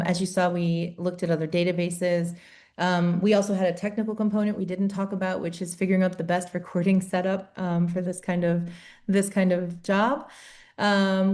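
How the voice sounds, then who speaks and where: A woman speaking in a lower, mellow voice as she presents. She lays out each step in an orderly, steady way. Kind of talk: conference presentation.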